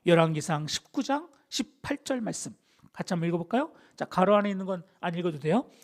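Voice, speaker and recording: A man's voice: high-pitched, fast. A man preaching a sermon as a pastor. He asks the congregation questions, answers them himself, and drops into dramatic whispers. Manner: animated, dips into dramatic whispers.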